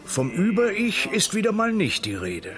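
A man's voice: high-pitched, normal speed, music in the background. An actor playing an ironic, curious male intellectual. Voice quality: ironic, lively.

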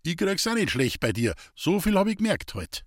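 A man's voice: high voice, sing-song, normal speed, no echo, studio quality, voice pushed up. A man reading aloud, voicing a jovial old Bavarian farmer in a somewhat raised voice.

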